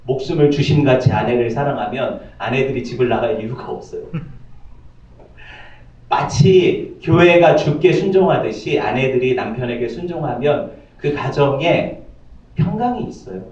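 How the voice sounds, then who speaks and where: Man, pastor, sermon, jokes with the congregation, somewhat high voice, far from the mic, dull audio. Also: lively intonation, normal speed, a little mellow. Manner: joking, asks the congregation questions. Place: church sanctuary. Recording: distant, echoey, slightly dull church audio.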